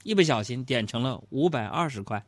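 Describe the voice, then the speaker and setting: Lively joking middle-aged man host. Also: mid-range voice, fairly quick, very noisy. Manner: joking, teasing, chatty storyteller. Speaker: radio-style program host. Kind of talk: humorous storytelling talk show.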